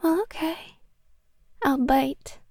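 Possessive cat girl, voiced by a woman; high, slow, close whispers, dry sound. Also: no room sound. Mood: sweetly menacing. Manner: soft whispering, close and intimate. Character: possessive young cat girl, sweetly obsessive. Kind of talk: ASMR roleplay.

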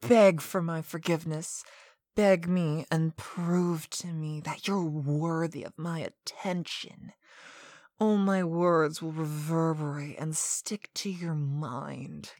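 A woman performing a scripted hypnotic monologue as a domineering mistress, sweet yet stern, with commanding, deliberate delivery and some breathy whispered phrases. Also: low voice, a little mellow, no room sound.

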